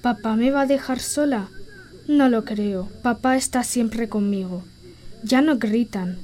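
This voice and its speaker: A woman's voice: on the high side, measured pace. A woman reading a scripted first-person diary in the voice of a young girl, simple and intimate. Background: soft background music.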